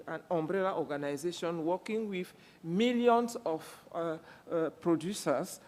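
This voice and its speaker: A woman's voice: fairly low pitch, darkish tone, big-room sound. A woman from Cameroon speaking as a panelist, hesitant, with many fillers and restarts. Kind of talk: panel discussion remarks.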